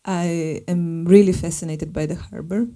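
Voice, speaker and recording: A woman's voice: lowish voice, steady tone, normal speed, dark tone. A woman from Slovenia, a filmmaker speaking thoughtfully in a live panel conversation and searching for her words. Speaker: filmmaker and artist guest.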